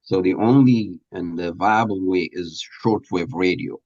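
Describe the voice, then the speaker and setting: A man being interviewed as a radio presenter, explaining things haltingly as he searches for words, on a dull lo-fi recording. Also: low-pitched, darkish tone. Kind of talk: interview answers, explanatory talk.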